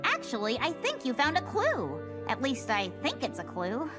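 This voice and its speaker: A brainy young cartoon detective with an American accent. She is quirky and wry, her high voice jumping around in pitch over clear background music. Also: huge pitch swings, normal speed. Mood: curious, awkward. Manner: dry, chatty, quirky.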